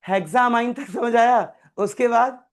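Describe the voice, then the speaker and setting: A man's voice: very high voice, a little slow. A man teaching a chemistry class, quizzing students by name and repeating key terms. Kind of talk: live classroom tutoring.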